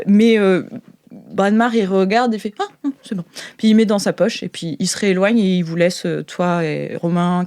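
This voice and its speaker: A woman's voice: medium pitch, darkish tone. A woman acting as game master, narrating an improvised tabletop game in an informal, theatrical way.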